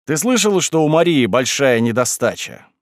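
A man's voice: medium pitch, big pitch swings, moderate pace, dry recording, clean studio sound, natural voice. A man voicing an earnest middle-aged village foreman who speaks firmly and persuasively. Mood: persuading. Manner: firm and persuasive.

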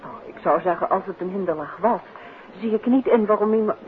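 An actress playing an inquisitive, gently needling detective's wife, probing and wryly teasing, in a 1950s Dutch radio drama. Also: female voice, mid-range voice, fairly quick, lightly acted. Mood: curious, teasing. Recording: muffled, noisy 1950s radio recording.

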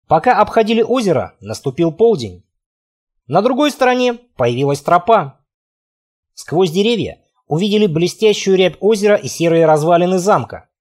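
A man narrating a first-person fantasy audiobook in a wry, conversational way. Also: high-pitched.

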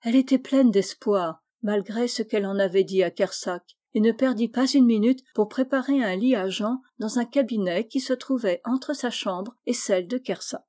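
A woman reads a classic storybook aloud in steady, measured narration. Her voice is mellow and warm, and sits a little high for a woman. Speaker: audiobook reader. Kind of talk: scripted narration.

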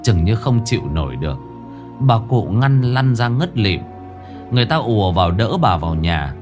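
Lively low-voiced man telling a ghost story.

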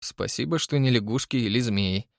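A man voicing a grumbling, gruff older hermit who talks dryly, in an audiobook reading. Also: mid-range voice, moderate pace, no room sound, studio quality, natural voice.

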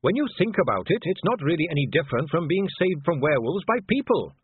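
A man's voice: on the high side, big pitch swings, fast talker, husky, no echo, voice pushed up, exaggerated voice. A man doing a cheerful, earnest young captain. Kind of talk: audiobook character voice. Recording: dry, narrow phone-like sound.

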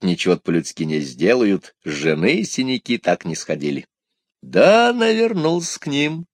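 Expressive male folk-tale storyteller. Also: low voice, dry recording.

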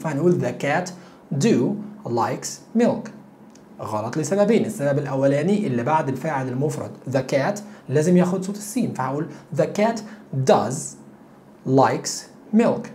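A man with an Egyptian Arabic accent teaching English grammar, repeating example sentences slowly and asking the viewer rhetorical questions. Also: on the high side, a little mellow, a little hiss or hum. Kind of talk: grammar lesson explanation.

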